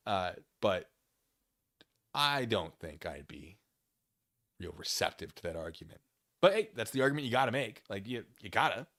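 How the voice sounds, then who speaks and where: A man with a bright, forceful voice reads a document aloud and comments on it off the cuff. His delivery swings widely in pitch, moving theatrically between reading and sarcastic muttered asides. The sound is close and dry. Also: no echo. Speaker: commentary streamer, channel host.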